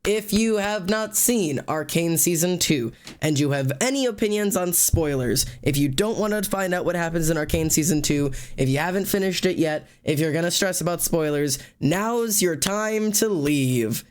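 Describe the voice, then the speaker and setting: A man's voice: on the high side, animated, normal speed, few pauses. A man with a stuffy, sniffly nose chatting casually on a live stream, greeting and thanking chatters by name and rambling loosely while he draws. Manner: loose, rambling with fillers and restarts. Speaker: livestream host.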